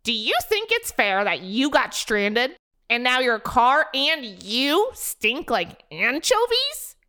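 Guy doing a squeaky whiny dude who flips out at everything, bright sharp voice, kinda off mic. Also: huge pitch swings, slow, clean tone, full character voice. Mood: indignant. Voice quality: shrill, high and strained. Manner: squeals and protests in outbursts. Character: whiny excitable grown man, easily outraged.

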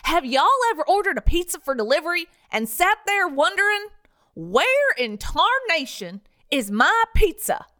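A man voicing a confident cowboy founder of a pizza company, with a folksy Southern drawl and calm authority in a comedic audio story. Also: very high voice, normal speed, pitched above the performer's own voice, exaggerated voice.

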